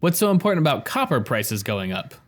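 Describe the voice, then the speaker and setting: A man's voice: medium pitch, sing-song, brisk. A man co-hosting a business podcast, reading sponsor spots and putting questions to the host. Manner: prompting, reads promos. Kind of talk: scripted sponsor read and prompting questions.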